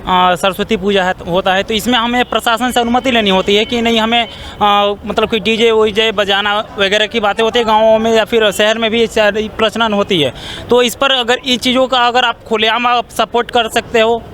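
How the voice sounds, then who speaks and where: A man giving a spontaneous opinion in a street interview, halting as he searches for words. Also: high voice, little pitch movement, fairly bright tone. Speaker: member of the public being interviewed. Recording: noisy outdoor street recording.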